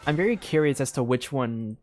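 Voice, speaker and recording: A tired man doing casual live gameplay commentary, thinking aloud in a low-key, meandering way. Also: animated, a little fast, a little mellow. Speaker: game streamer.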